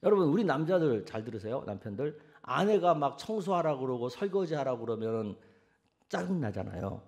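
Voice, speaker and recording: A senior pastor preaching a sermon, asking the congregation questions and acting out quoted sayings in a soft, low voice. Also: male voice, very animated, a little fast. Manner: asks the congregation direct questions.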